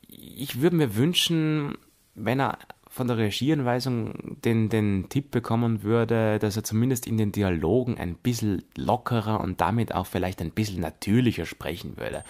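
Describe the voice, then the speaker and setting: An Austrian man with a fairly low voice talks through a review. He phrases things emphatically and deliberately, in the manner of a podcast critic. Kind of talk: spoken audio drama review.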